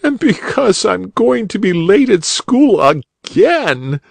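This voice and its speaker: A man voicing a tearful young schoolboy who is late for school, pitched far up. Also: very animated, slow pace, creaky, no echo, heavily acted. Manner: high, wailing, tearful.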